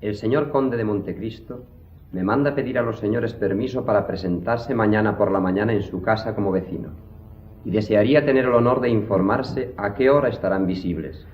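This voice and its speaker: A man's voice: fairly low pitch, lightly acted. A man as a ceremonious servant in an echoey room. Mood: formal. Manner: ceremonious, measured. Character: formal, polite liveried manservant delivering messages. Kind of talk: Spanish audio drama acting. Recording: dull, echoey room with faint noise.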